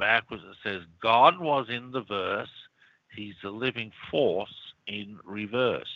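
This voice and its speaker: A man talks with an Australian accent at a very slow pace. His loudness swings a lot, while his pitch varies in an ordinary way. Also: medium pitch for a man. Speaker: researcher and therapist. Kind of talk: interview. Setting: phone call.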